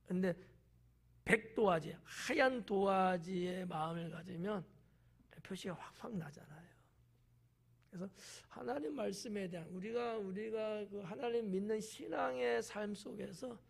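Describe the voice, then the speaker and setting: A man's voice: high voice, gravelly. A male pastor giving a conversational sermon, explaining the passage and asking the congregation questions. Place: church.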